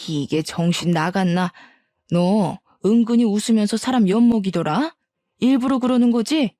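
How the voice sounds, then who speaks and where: Woman narrator as bossy older mother-in-law, low mellow voice, scolding harshly. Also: moderate pace, no room sound, studio quality, natural voice. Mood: furious scolding. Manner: shrill scolding, harsh insults.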